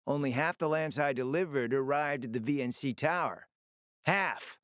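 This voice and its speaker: A man's voice: mid-range voice, normal speed, fairly bright tone, clean tone, no room sound, clean studio sound, close to an everyday voice. A man acting in a video game as a suave, scheming spymaster and black-market dealer, with a sly, urbane, theatrical delivery. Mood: smug, sly.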